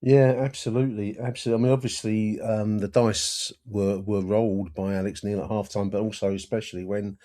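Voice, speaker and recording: A man's voice: lowish voice, little pitch movement, brisk, few pauses, mellow. A man chatting casually about football as a podcast host, wry and hesitant, often repeating his phrases.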